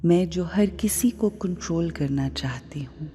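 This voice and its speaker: A woman leading a guided meditation, speaking deliberately in short phrases with long pauses between them. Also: fairly low pitch, warm tone. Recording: long reverb, music underneath. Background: music.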